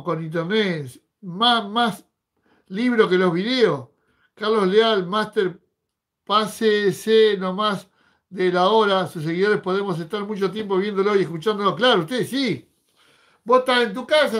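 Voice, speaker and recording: A man's voice: sits high, a bit bright. A middle-aged man with an Argentine accent, chatting casually on a fishing livestream and reading viewers' comments aloud with jokes. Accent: Rioplatense Argentine Spanish.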